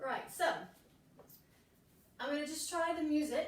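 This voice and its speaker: Loud and high-pitched, a woman speaks at a moderate pace. Audible room echo surrounds her voice. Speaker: fitness instructor. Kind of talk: live online exercise class instruction.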